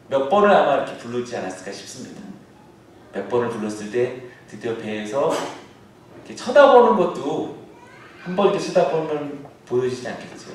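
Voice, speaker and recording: A male pastor preaching a sermon, now and then bursting into shouted calls as he acts out a scene. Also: mid-range voice, slight background noise. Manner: acts out shouted calls across the water, then drops to a soft aside. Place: church sanctuary. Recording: echoey church hall, heard from a distance.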